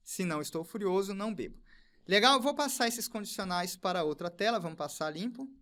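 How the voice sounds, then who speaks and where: A male teacher, walking through a recorded online lesson. He is methodical and says each step twice, slowly, as he writes it out on screen. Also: high-pitched, animated, pushed and bright.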